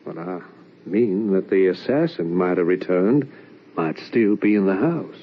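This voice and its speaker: Troubled young son, theatrical and probing, swooping intonation, muffled vintage radio sound. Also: male voice, low voice, animated, a little slow, slight background noise. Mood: insistent, suspicious. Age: young adult. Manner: earnest, theatrical, questioning. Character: anguished, probing young adult son narrating a ghost tale. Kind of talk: old-time radio drama acting. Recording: dull, lo-fi old radio recording.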